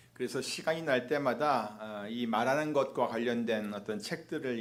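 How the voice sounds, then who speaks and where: A man with a medium-pitched voice talks at a moderate pace with ordinary pitch variation, and some room echo can be heard. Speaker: pastor. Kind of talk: sermon. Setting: church.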